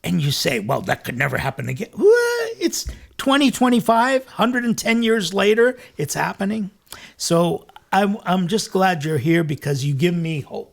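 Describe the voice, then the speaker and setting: A man's voice: sits high, big pitch swings, moderate pace, creaky. A man hosting an interview as a priest, speaking earnestly and reflectively from a studio, often restarting his sentences. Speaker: priest and show host. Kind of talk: conversational interview. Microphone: studio mic.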